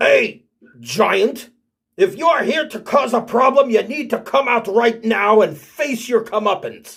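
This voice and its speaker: A loud, gruff, put-on character voice comes at a fairly high pitch and a fairly slow pace. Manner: loud, defiant, gruff.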